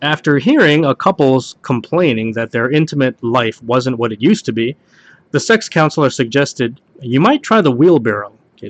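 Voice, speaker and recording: A man's voice: mid-range voice, dry recording, dull audio. A man reads party jokes aloud in a casual way, hosting a home video and sometimes stumbling over the text and rereading lines.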